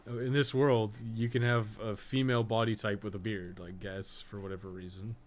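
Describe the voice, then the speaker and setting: A man's voice: lowish voice, flat delivery, moderate pace. A man giving casual, rambling commentary as he plays a game, blunt and sweary in an offhand, grumbling way. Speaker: podcast co-host playing a video game. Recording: clearly noisy background behind the voice.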